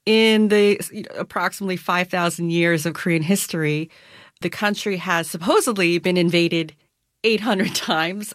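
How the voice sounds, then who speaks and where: Lower-voiced woman author, dry close sound. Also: no room sound. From United States. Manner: articulate, laughs lightly while explaining. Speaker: author and guest. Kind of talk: conversational interview answers.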